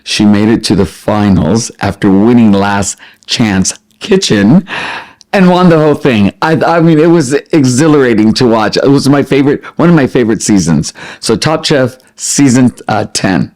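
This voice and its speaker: A middle-aged man chatting casually as a vlogger, expressive and prone to wandering off on tangents as he answers questions. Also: medium pitch, moderate pace. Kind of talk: casual chat to camera, answering listed questions.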